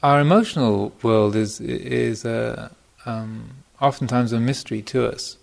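A man giving an informal dharma talk as a meditation teacher, speaking thoughtfully and hesitantly, often pausing mid-phrase, in a gravelly voice. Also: mid-range voice. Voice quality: gravelly, creaky voice. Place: meditation retreat center.

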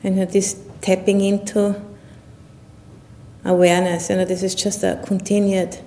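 A woman leading a guided meditation as a Buddhist teacher, speaking in unhurried, halting phrases with long pauses. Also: flat delivery, mellow. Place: retreat session at a monastery or retreat center. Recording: low rumbling background noise.

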